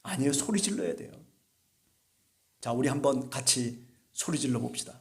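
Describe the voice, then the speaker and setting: A male pastor delivering an impassioned sermon at a church service, urging his listeners and rising at times to shouts. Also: medium pitch, lively intonation, normal speed.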